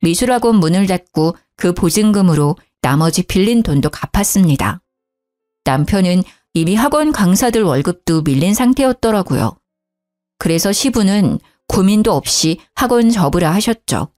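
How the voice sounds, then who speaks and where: A woman's voice: lowish voice, lively intonation, normal speed, darkish tone, soft background music. A woman in her thirties narrating a personal story in an emotional, confiding way.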